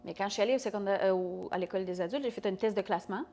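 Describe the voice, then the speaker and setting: A young woman whose first language is not French chats in French as a podcast guest, her accent non-native. Her medium-pitched, darkish voice races along, hesitant and full of restarts and fillers, over slight background noise in this casual conversation.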